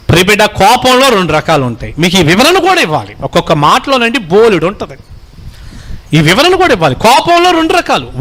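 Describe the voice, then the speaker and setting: High, bright-voiced preaching man. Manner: exhorting congregation to repeat phrases; fatherly, calls listeners children. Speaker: pastor. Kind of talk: sermon.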